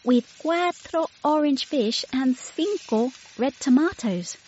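A woman's voice: high-pitched, animated, slow pace, darkish tone, highs cut off, pitched above the performer's own voice. A woman voicing a curious, doubtful young girl.

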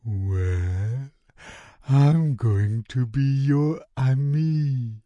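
A man reading a storybook aloud, voicing a sad young female sea creature who talks slowly and tearfully. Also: medium pitch, mellow, no room sound, dull audio, voice pushed up. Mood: hopeful. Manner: tearful, slow and pleading.

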